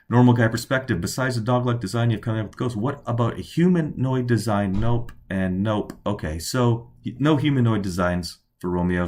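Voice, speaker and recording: A middle-aged man with a somewhat low voice reads questions from viewers aloud and answers each one on the spot. He talks loosely and cheerfully and throws in jokes between the answers. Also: a little mellow. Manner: reads out viewer questions and answers them off the cuff, jokey and upbeat. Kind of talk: casual livestream Q&A.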